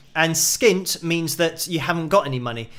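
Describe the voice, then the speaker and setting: A man with a British accent speaks in a high pitch. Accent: British, crisp. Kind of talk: explanatory, casual.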